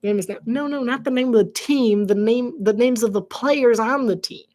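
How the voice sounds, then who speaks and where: A man calling a game live in a loose, conversational way, wandering into side stories between plays. He laughs often and sometimes drops his voice to a near whisper for quick asides. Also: very high voice, darkish tone. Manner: chatty, rambling asides, frequent laughs. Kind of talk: casual play-by-play livestream commentary.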